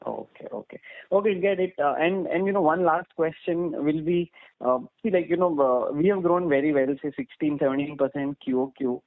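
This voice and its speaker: A man's voice: fairly high pitch, normal speed, no echo. A man with an Indian accent asks an analyst's questions on an earnings call, conversational and rambling, padded with "you know" and "like". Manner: rambling, filler-heavy, frequent "you know" and "like". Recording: dry, tinny narrow-band phone line.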